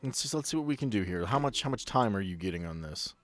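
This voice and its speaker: A man's voice: lowish voice, lively intonation, fast talker, a crowd in the background. A man acting as game master, narrating a tabletop role-playing game informally and putting questions to his players.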